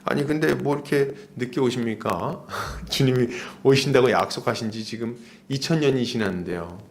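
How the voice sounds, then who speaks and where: A man's voice: mid-range voice, normal speed. A man of about forty preaching an expository sermon as a pastor, using emphatic repetition and rhetorical questions.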